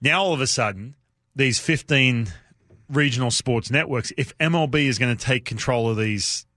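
A man's voice: mid-range voice, moderate pace, pushed and bright, dry recording. A man chatting casually on a sports radio show in the studio, upbeat and a little rambling. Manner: upbeat, rambling, laughs easily. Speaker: radio co-host guest.

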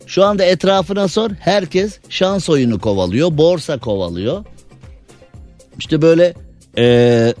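A man's voice: medium pitch, darkish tone. A male radio host in casual studio talk, chatty and opinionated, full of rhetorical questions.

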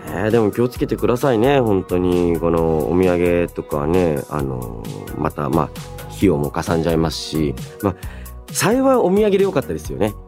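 Faint music plays behind a young man whose deep, darkish voice is very animated at a moderate pace. Hosting a casual solo radio program, he muses out loud and handles listener letters, polite yet informal.

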